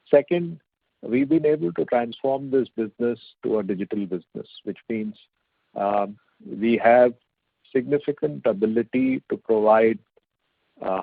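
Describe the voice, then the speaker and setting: A male company executive giving halting, measured, hedging answers on an earnings call over a conference phone line. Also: lowish voice, creaky, no echo.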